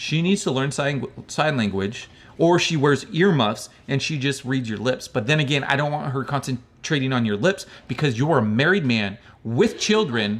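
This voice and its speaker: Speaking with a rural American accent, a man with fairly high pitch uses lively intonation at a moderate pace. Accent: rural American, self-described hick. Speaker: YouTuber answering live chat. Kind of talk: casual live-stream chat. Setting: live stream. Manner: casual, filler-heavy.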